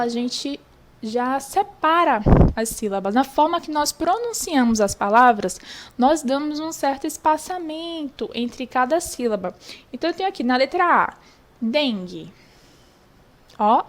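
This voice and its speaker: A young woman with a Brazilian Portuguese accent, teaching an online lesson and patiently going through a worksheet, repeating key points for children. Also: high-pitched.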